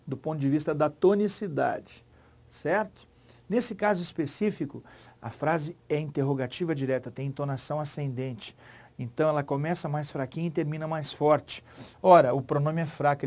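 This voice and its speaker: A man's voice: a little high, a little mellow. A man with a Brazilian Portuguese accent teaching a grammar lesson in a playful, joking, emphatic way.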